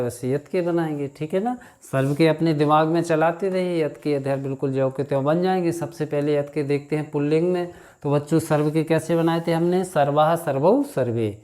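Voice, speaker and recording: A man teaching a grammar lesson, reciting word forms in a slow chant and talking to his students as children. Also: a little high, warm tone. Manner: addresses students as children, frequent "thik".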